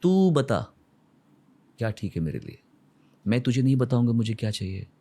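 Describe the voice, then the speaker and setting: A middle-aged man from India, talking as a guest in an unhurried, heartfelt way. His pitch sits at an ordinary middle level. He shifts between quiet, inward moments and warmer, fuller stretches as he reflects on his work. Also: very animated. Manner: earnest, emotional, mixes English into his speech. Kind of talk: reflective conversational storytelling.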